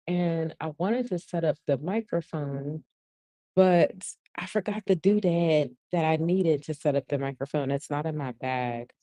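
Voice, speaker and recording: A woman in her forties, speaking, hosting a casual livestream. She talks softly to keep her voice down, reads viewer comments aloud and laughs often. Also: low-pitched, unhurried, no echo. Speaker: livestream host. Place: shared co-working space. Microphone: earphones mic.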